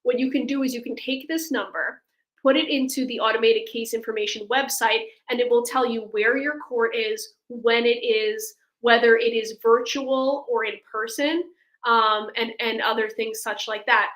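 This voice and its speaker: A woman's voice: a little high, steady tone, normal speed, fairly bright tone, rough recording. A woman speaking as an immigration attorney, explaining legal steps conversationally, point by point, in a question-and-answer session. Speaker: immigration attorney, guest expert.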